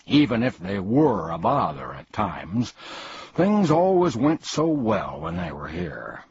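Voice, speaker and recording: A man's voice: lowish voice, very animated, slow, darkish tone, slightly rough, dry recording, lo-fi sound, heavily acted. A man voicing an imperious but melancholy king in a storybook, declaiming in a regal manner. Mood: wistful. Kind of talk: storybook character reading.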